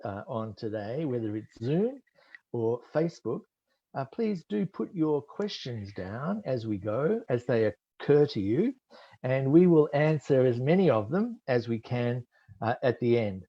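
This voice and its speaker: A man hosts an online webinar and introduces the guest at an unhurried pace, with frequent pauses. His voice is mellow and warm. The call audio is dull and lo-fi. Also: medium pitch, big pitch swings. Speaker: webinar host. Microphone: computer mic on video call.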